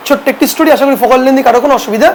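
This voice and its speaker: A woman's voice: high voice, rapid-fire, poor audio. A woman teaching a photography class with a Bengali accent. She asks the students questions and then answers them herself. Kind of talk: classroom lesson.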